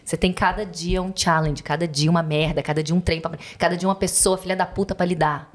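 A Brazilian woman with a Brazilian Portuguese accent, a podcast guest telling animated, profane stories and acting out quotes. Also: fairly low pitch, fast. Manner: animated, profane storyteller who acts out quotes. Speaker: podcast guest, bank teller. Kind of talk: casual podcast chat.

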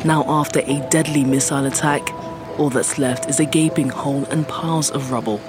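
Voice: mid-range voice, steady tone, a little fast, loud music behind the voice. A reporter narrating a broadcast news story in an urgent, formal way.

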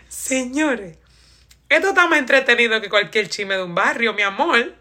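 A young woman with a Dominican accent reads scripture live and chats with her viewers, laughing and expressive. Her voice sits fairly high and sounds bright and forceful. It comes through a phone livestream. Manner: animated, laughing, chatty and expressive. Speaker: Bible reading livestreamer. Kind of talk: casual live Bible reading.

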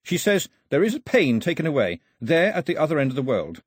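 A man voicing an earnest young girl who solemnly relays an old healer's words in measured phrases. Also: fairly high pitch, very animated, husky, no room sound, clean studio sound, pitched above the performer's own voice.

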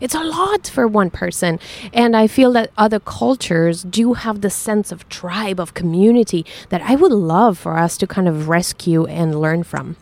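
A woman's voice: medium pitch, normal speed, a little mellow. A woman with a slight foreign accent, earnest and upbeat, answering as a guest in a casual interview. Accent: slight foreign accent from several languages. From Switzerland and Colombia. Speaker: guest, entrepreneur.

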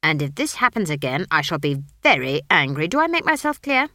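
A bossy old witch , put on by a woman reading aloud, scolds in clipped, imperious bursts. Her lowish voice swoops up and down with bright, cutting force. The sound is close and dry, like a storybook reading. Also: big pitch swings, brisk, no echo, full character voice. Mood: commanding. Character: stern old witch, sharp-tongued and commanding. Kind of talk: audiobook character voice.

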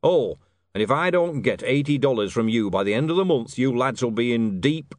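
A man doing a gruff, drawling, shrewd rough-edged boss. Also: medium pitch, expressive, normal speed, no room sound, clean studio sound, natural voice. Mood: menacing. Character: gruff, shrewd, rough-spoken self-made older male businessman.

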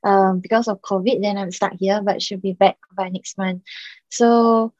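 A woman's voice: medium pitch, steady tone, moderate pace, darkish tone, no echo, dull audio. A young Singaporean woman, a startup founder, chatting casually as a podcast guest and leaning on "like" and "um". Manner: chatty, many "like" and "um" fillers.

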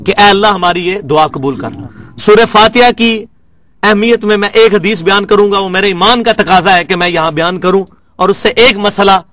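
A man's voice: high voice, a bit bright, no echo. A man from Pakistan giving a religious lecture, emphatic, repeating key words for stress. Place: lecture hall at a research academy.

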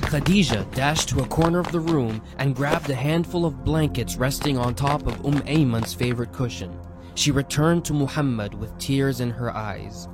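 A man narrating a scripted story with intense, suspenseful delivery. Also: mid-range voice. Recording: background music under the voice.

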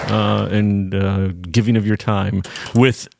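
A man's voice: fairly low pitch, level tone, slow pace, vocal fry, crowd noise, background noise. A man hosting a podcast, casual banter, teasing his co-host and laughing often.

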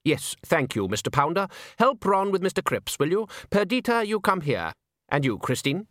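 A man voicing a dry, sardonic music director in a story, brisk and authoritative with a sarcastic edge. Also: high-pitched, sing-song, a bit bright, no room sound, voice pushed up.

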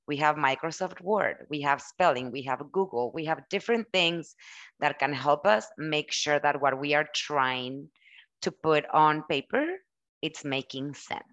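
A woman with a low voice and a Mexican Spanish accent, speaking English as her second language. She answers interview questions in an earnest, explanatory way and runs through examples one after another. The recording is dry and close. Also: a little slow, a bit bright, no room sound, muffled recording. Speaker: guest HR professional and recruiter.

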